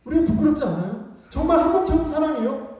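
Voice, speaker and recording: A man's voice: very high voice, sing-song, fast, dark tone, slight background noise. A male pastor preaching a sermon in a church sanctuary, talking conversationally and asking the congregation rhetorical questions. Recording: echoey church hall, distant mic.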